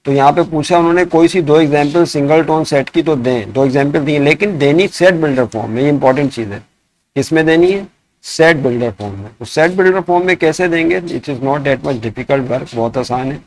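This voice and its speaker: A man teaching a math lesson. He asks his students questions and answers them himself, and he slows down to dictate each problem word by word. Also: on the high side. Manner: mixes in English math terms. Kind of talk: classroom lesson explaining sets.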